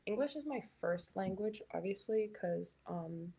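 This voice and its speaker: A woman's voice: mid-range voice, expressive, measured pace, vocal fry, dark tone, husky. A young woman from Canada, chatting casually as a live stream host while reading her chat, with lots of "like" and "um". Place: hotel room.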